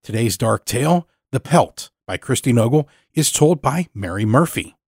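A man's voice: medium pitch, lively intonation, moderate pace, husky, no room sound, clean studio sound. A man hosting a podcast, reading a scripted introduction. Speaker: podcast host.

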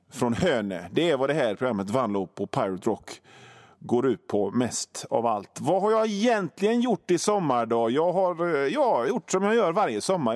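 Telling comic, absurd stories on his radio show, a middle-aged host swears and swings widely in his delivery. His voice is medium-pitched, and the studio-quality recording has no echo.

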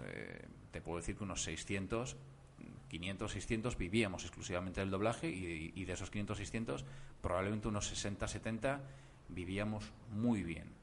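A man who works as a voice actor, guesting on a podcast and telling stories in an animated way with lots of asides. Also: lowish voice, slight background noise. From Germany. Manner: animated storytelling, many asides. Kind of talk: casual podcast interview.

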